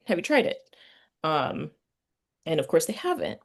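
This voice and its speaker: Low-pitched woman in thoughtful conversation. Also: huge pitch swings, moderate pace, creaky. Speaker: interviewer and host. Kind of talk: casual conversational interview.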